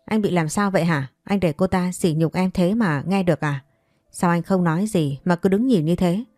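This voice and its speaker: Woman playing a scheming stepmother who argues back, low mellow voice. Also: moderate pace, no echo, lightly acted. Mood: quarrelsome. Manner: argumentative, defiant.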